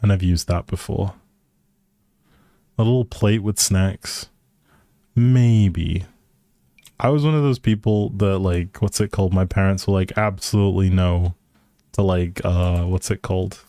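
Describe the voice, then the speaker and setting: A man's voice: deep voice, measured pace, long pauses, mellow, no room sound, clean studio sound. A man live streaming a game, chatting casually with viewers in a friendly, rambling way as he thinks aloud. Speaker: live streamer playing a life simulation game. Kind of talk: casual gameplay chat with viewers.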